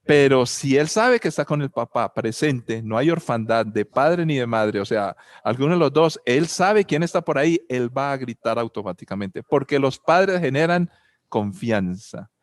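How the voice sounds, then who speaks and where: In a mid-range voice with lively intonation, this Colombian-accented man talks at a moderate pace, with no room sound audible. He reflects on family and spirituality, posing many rhetorical questions and sharing stories from his own life.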